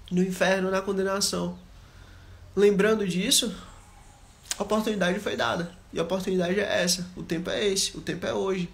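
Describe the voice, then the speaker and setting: A man's voice: high voice, gravelly, fairly bright tone. A man preaching a live Bible study, talking directly to his listeners and repeating his points with emphasis. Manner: repetitive, emphatic exhortation; conversational, addresses listeners directly.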